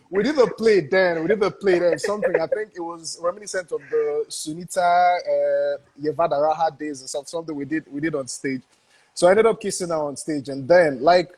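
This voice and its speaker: Husky Nigerian man, excited chat. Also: fairly high pitch, low-quality recording. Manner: enthusiastic, repeats himself, laughs often. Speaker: guest film director. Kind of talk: casual interview chat mixing English and Igbo.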